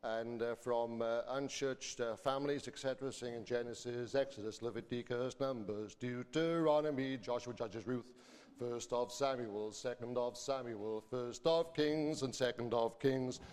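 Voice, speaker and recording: Man, preacher, mid-range pitch, sermon and Bible reading delivery, large echoey church hall. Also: measured pace, few pauses, a little mellow, clean tone. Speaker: preacher and school teacher. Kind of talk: informal sermon, congregation quiz and scripture reading. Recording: echoey hall with long reverb.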